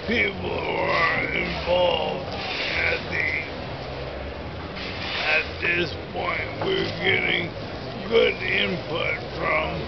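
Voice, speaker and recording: Very slow speech full of long, frequent pauses over loud background noise. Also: man. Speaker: interviewee. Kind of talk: interview answer. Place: hall.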